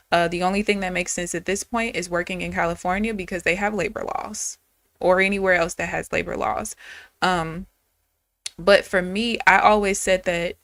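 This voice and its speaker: A woman in her thirties talks with a somewhat low voice in a candid, chatty live-stream manner, addressing her viewers directly. The sound is close and dry, with no room around it. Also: a bit bright, no echo. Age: 30s. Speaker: day trader streaming live. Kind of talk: casual live-stream chat.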